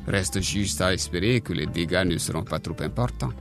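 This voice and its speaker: A man presenting and narrating a radio program from a studio, measured and explanatory. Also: sits low, faint music behind. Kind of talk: scripted narration.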